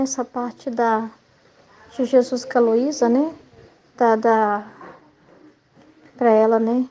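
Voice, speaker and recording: A Brazilian woman of middle age gives a devotional reflection in a notably high voice. She talks earnestly and rambles a little, checking in with her listeners again and again as she leads a Catholic study group. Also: dark tone, highs cut off. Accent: Brazilian Portuguese. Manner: earnest, rambling, frequent tag questions. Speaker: Catholic lay study leader.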